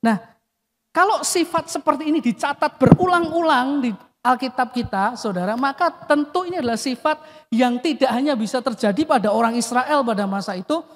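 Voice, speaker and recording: A male pastor preaching a sermon, emphatic, often addressing the congregation and dropping his voice at the end of phrases. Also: very high-pitched. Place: church hall. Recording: long reverb of a church hall.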